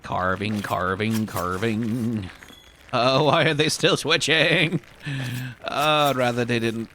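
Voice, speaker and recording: A man's voice: medium pitch, slow pace, pushed and bright, a little hiss or hum. A man giving casual video game commentary, musing aloud to himself as he plays. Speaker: gaming streamer. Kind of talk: casual let's play commentary.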